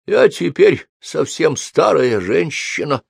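Male narrator doing a high, sharp-tongued old woman who bosses everyone around, in an audiobook. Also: very animated, slow, vocal fry, breathy edge, no room sound, studio quality, exaggerated voice. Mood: indignant. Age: older. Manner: scolding, commanding. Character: bossy, feisty old woman.

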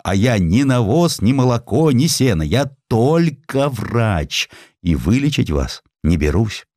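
A man's voice: mid-range voice, big pitch swings, unhurried, darkish tone, dry recording, studio quality. A male narrator voicing a blustering, impatient doctor who scolds in an emphatic, hectoring way. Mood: scolding.

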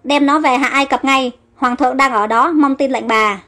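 A woman voicing a gruff male army captain who barks orders. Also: high-pitched, steady tone, moderate pace, bright, forceful tone, soft background music. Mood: alarmed. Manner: barking orders.

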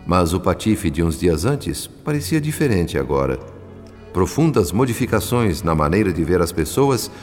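A Brazilian man reading scripted, literary radio drama narration in a measured, formal and solemn storytelling manner. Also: sits low. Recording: long reverb, music behind. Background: background music.

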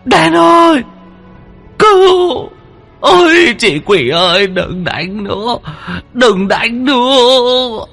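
A man's voice: expressive, very slow, vocal fry, bright, forceful tone, faint music behind, heavily acted. A man voicing a cowardly, lecherous old male ghost who wails shrilly for help. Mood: panicked pleading. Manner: shrill wailing, yelping for help.

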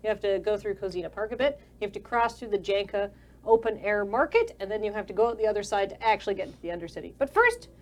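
A woman's voice: medium pitch, fairly even intonation, racing, darkish tone. A woman running a tabletop game as game master, narrating the scene in a rambling, casual way with plenty of fillers.

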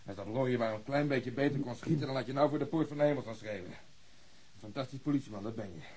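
An actor playing a gruff, sarcastic, domineering police detective in a radio drama, brusque and sardonic. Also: male voice, medium pitch, fast talker, darkish tone, natural voice. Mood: sarcastic, scolding. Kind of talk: Dutch radio drama dialogue.

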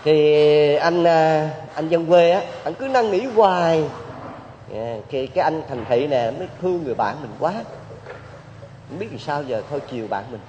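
Monk telling a story. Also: male voice, a little high, animated, normal speed, dark tone, slight background noise. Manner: folksy, repetitive storytelling. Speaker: monk preacher. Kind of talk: storytelling dharma talk. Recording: dull hall recording with long reverb.

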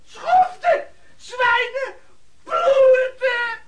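An actor playing a drunken, self-important tailor's cutter in a radio play, ranting scornfully with drawn-out insults. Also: male voice, very high-pitched, shouting, highs cut off, heavily acted. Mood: furious. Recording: noisy crowd behind the voice.

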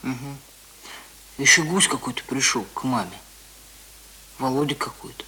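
A man's voice: medium pitch, normal speed, sharp tone, slightly rough, heavily acted. An actor playing a plain-spoken, casual young village boy in a radio play. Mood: casual, offhand.

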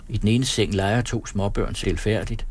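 A man reading a novel aloud in steady, descriptive scripted narration. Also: fairly low pitch, husky. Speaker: audiobook narrator.

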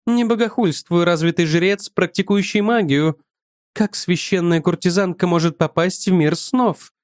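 A man's voice: sits high, moderate pace, no room sound, studio quality, voice pushed up, close to an everyday voice. A man voicing a dreamy, capricious young woman, a sacred courtesan, in an audiobook. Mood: defiant. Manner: wondering, capricious. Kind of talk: audiobook character voice.

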